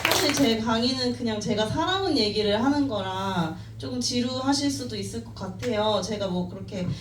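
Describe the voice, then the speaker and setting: Here a team member in her thirties gives a personal story talk at a company meeting, her voice slightly high and her pace normal. Humble and quick to poke fun at herself, she keeps breaking into small laughs. The meeting room echoes, the mic sits far away, and there's a little background noise.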